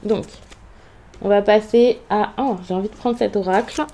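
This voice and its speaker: A woman's voice: mid-range voice, steady tone, normal speed, warm tone, a little hiss or hum. A woman from France giving a casual tarot reading to camera, hesitant with frequent fillers and restarts, in a reassuring tone. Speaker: tarot card reader.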